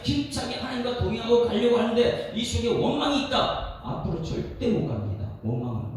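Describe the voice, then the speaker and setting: A male pastor gives an animated dawn sermon and puts questions to his congregation, heard from a distant mic in an echoey church. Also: very high voice. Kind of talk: expository sermon at a dawn prayer service. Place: church sanctuary. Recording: echoey hall, distant mic, faint noise.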